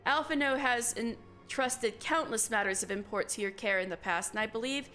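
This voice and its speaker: A woman reading the part of a calm, formal woman leader, in a measured, formal manner. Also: on the high side, soft background music. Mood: grave counsel.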